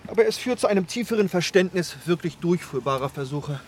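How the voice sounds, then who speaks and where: Brisk, didactic physicist in a radio play, matter-of-fact, faint street and car noise. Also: male voice, sits high, lively intonation. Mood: brisk, explaining. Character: matter-of-fact male physicist explaining theory. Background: traffic and vehicle sounds.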